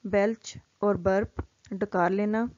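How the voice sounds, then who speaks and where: Slow, mellow-voiced woman teacher. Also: medium pitch, fairly even intonation, highs cut off. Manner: reads example sentences very slowly and deliberately. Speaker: English vocabulary teacher. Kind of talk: explaining vocabulary lesson.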